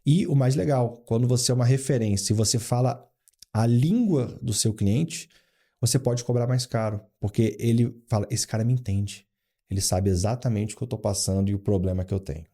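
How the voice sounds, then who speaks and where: In a casual interview, a man in his forties from Rio de Janeiro, Brazil, who works as a board adviser and founder, tells business stories full of anecdotes and quoted dialogue that he acts out. He speaks a little fast in a warm, medium-pitched voice.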